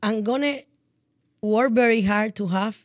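In a strong Cuban accent, a woman talks at a very slow pace. Her pitch varies in an ordinary way. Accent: heavy Cuban Spanish-accented English. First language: Spanish. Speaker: real estate agent. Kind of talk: casual interview chat. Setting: studio.

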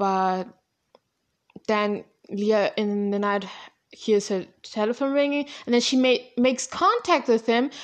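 Pausing long and often, a woman speaks at a fairly slow pace in a fairly high voice with ordinary pitch variation. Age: young. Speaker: TV review youtuber. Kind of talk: casual show review monologue. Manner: animated.

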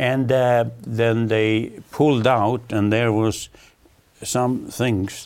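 A medium-pitched male voice in a Swedish accent, with fairly even intonation. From Sweden. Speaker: missionary, Bible smuggler. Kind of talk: testimony.

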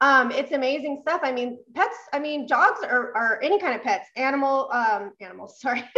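A woman with an American accent speaks at a moderate pace in a high pitch. Her voice is raised and projected, with big swings in loudness. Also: lively intonation. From Southern California. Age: 30s. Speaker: small business owner. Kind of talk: interview.

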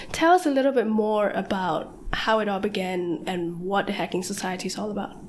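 A woman at a medium pitch talks at a fairly quick pace with hardly any pauses. Her pitch variation is ordinary, and there is noticeable background noise. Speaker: podcast host. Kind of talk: interview. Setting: studio.

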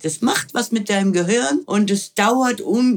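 Her voice is a woman's, at medium pitch. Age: 60s. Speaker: patient with bipolar disorder. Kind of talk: interview. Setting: in person, seated together. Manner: halting, repeats words.

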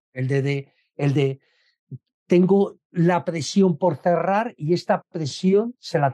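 A man speaks in a plain, everyday voice with a fairly high pitch. The background is quiet. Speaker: B2B sales consultant. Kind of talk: casual interview.

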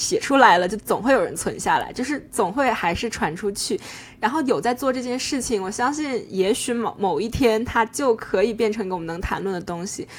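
In an unremarkable speaking voice, a woman with a fairly high pitch talks at a fairly quick pace with hardly any pauses. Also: lively intonation. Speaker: podcast co-host, journalism student. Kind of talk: casual chat. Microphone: new microphone.

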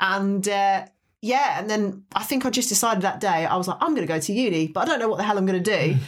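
A woman speaks very fast at a medium pitch, with lively intonation, an energetic tone and very even loudness. The recording is very clean with a silent background. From England, Northampton. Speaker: radio DJ. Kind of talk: casual interview chat. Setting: studio. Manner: fast talker; energetic, a bit shouty.

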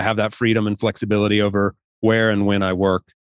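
A man with an American accent speaks at a fairly quick pace in an ordinary speaking voice, his pitch fairly low. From US. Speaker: head of remote at a company. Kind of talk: podcast interview, conversational.

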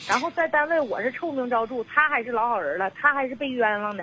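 A woman's raised, projected voice races along very fast. Her tone is bright and sharp, with very wide pitch swings. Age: 30s. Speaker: caller seeking advice. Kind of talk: phone-in personal story. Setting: phone call.

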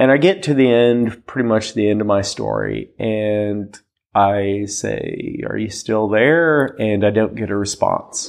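Using an ordinary speaking voice, a man with an American accent talks at a fairly slow pace with a fairly low pitch and ordinary pitch variation. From Missouri, US Midwest. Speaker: guest sharing faith story. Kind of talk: testimony.

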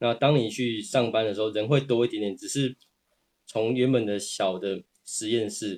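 With an ordinary speaking voice, a man talks at a moderate pace in a medium pitch and fairly even intonation. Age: 30s. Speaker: yoga teacher, former engineer. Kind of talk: interview. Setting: online live stream.

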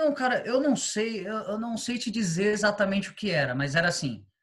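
A man's voice with a high pitch. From São Paulo, Brazil. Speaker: Lean process specialist. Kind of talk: interview.

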